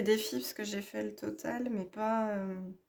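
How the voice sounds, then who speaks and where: A woman speaks at a fairly high pitch, her voice swinging very widely up and down. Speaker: budgeting YouTuber. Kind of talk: casual vlog tutorial. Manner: hesitant, many fillers; deliberately not loud.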